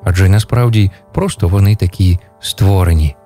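A man telling a fairy tale to children on a radio program, in an animated, sing-song storytelling manner. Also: deep voice, normal speed, soft background music.

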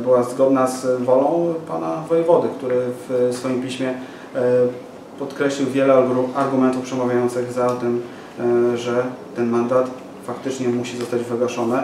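A man in his forties making a press conference statement, hesitant with many fillers and restarts. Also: mid-range voice. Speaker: local party activist at press conference. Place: small office room with window. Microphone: far camera mic. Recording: echoey room from far off, noisy.

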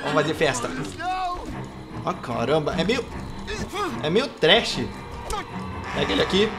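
Excitable Brazilian man narrating gameplay. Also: fairly high pitch, unhurried, music in the background. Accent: Brazilian Portuguese. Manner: playful trash talk, bursts into excited shouts. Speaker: gameplay youtuber. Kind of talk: gameplay commentary.

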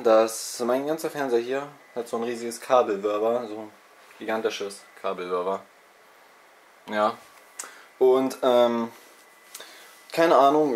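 Here a young let's play host, his voice medium in pitch, rambles casually and self-deprecatingly through an informational vlog, using lots of fillers. He sounds mildly congested from a cold, filmed in his bedroom among his TV and consoles on a handheld camera's own microphone.

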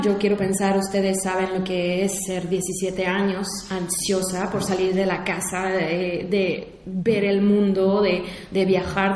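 Young Mexican woman speaking in an echoey hall. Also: mid-range voice. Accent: Mexican Spanish. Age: 20s. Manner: informal, many fillers and restarts, speaks Spanglish. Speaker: invited speaker, war veteran. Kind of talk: public talk to an audience. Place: university lecture hall.

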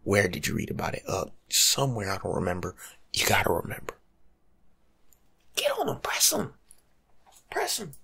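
Young adult American male, husky half-whispered ASMR monologue, lively swings in pitch, casual street-slang delivery. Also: normal speed, long pauses. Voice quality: breathy, often dropping to a whisper. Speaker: ASMR video creator. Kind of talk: ASMR role-play monologue, casual life-coach advice. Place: small room at home, indoors.

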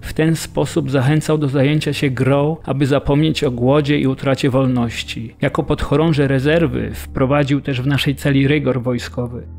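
An actor playing an earnest prisoner who recounts his captivity in measured storytelling for a radio documentary drama. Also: medium pitch, steady tone, vocal fry, a little mellow, soft background music, lightly acted. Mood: earnest, sober. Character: earnest male Polish prisoner recalling hunger and discipline.

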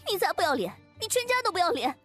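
A man's voice: extremely high pitch, big pitch swings, rapid-fire, fairly bright tone, faint music behind, pitched above the performer's own voice, exaggerated voice. A man voicing a defiant, angry wife in an audiobook, screeching her retorts. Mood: spiteful.

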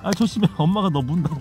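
A man's voice: a little high, warm tone. A man talking casually to rescued dogs in a rural yard. He baby-talks to the puppies and laughs often. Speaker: vlogger caring for rescued dogs. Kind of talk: casual vlog talk to dogs and viewers. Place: rural yard with dog kennels.

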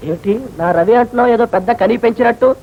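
An actor playing a cocky young character who talks back and threatens in a film comedy. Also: male voice, very high voice, very fast. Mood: brash. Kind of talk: 1980s film comedy acting. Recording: dull old film soundtrack with faint hiss.

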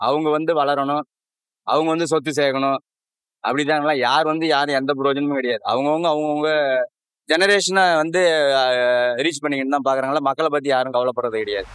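A man's voice: on the high side, fairly quick, pauses often, fairly bright tone, smooth, no room sound. A middle-aged man giving emphatic opinions in a street interview, often ending with rhetorical questions. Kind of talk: street vox pop answers. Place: footbridge stairway outdoors. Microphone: handheld interviewer mic.

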